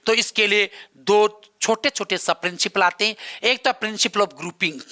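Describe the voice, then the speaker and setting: A man's voice: high voice, sharp tone. A man lecturing an exam-prep class, repeating key terms and mixing English words into his explanations. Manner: gives examples and writes on a board while talking. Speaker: teacher.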